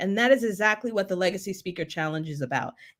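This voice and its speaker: A woman's bright, sharp tone with very wide pitch swings, in a very clean recording with a silent background. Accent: New York. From Jamaica, Queens, New York City. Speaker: speaking coach, former teacher. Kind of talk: live-stream coaching talk. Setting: live stream.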